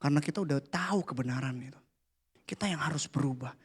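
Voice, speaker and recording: A man, preaching a casual, playful youth sermon that drops to a hush for the prayers. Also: fairly high pitch, fast, slightly rough. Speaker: youth pastor. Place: church hall.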